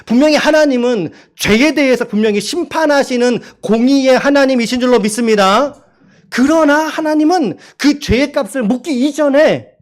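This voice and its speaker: A male pastor preaching a Sunday sermon in a church, asking the congregation questions and reading scripture slowly. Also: very high-pitched. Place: church sanctuary.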